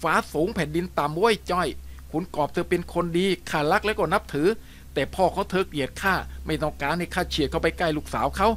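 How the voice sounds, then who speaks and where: A man voicing a troubled teenage boy who talks bluntly in rough slang. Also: a little high, fast talker, a bit bright, lightly acted.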